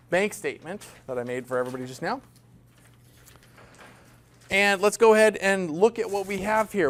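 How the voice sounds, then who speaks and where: A man teaching an accounting class in a classroom, talking casually, joking and asking his students questions. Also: a little high. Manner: chatty, jokey, asks the class questions. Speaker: accounting instructor. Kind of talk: classroom lecture.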